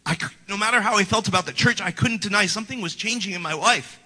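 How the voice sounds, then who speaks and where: A man's voice: high-pitched, fast talker, bright, forceful tone. A man in his forties giving an earnest, prepared church testimony and acting out his past scorn, in a church sanctuary. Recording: long hall reverb.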